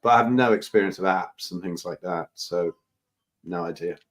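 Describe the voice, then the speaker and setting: A man co-hosting a live health Q&A on a call, talking quickly with stammering restarts. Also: deep voice, a bit bright. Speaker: co-host on health Q&A. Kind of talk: live Q&A chat.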